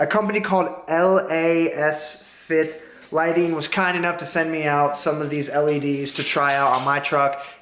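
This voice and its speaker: Amid noticeable background noise, a man speaks in a fairly high pitch with ordinary pitch variation. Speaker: DIY truck modification YouTuber. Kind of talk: DIY how-to tutorial talk to camera. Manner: casual, chatty.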